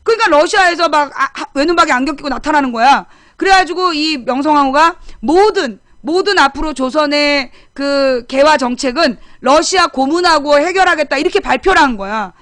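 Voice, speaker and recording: Middle-aged woman, very high voice, dry close sound, blunt casual explainer, rhetorical questions. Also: a bit bright, no room sound. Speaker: current affairs show host.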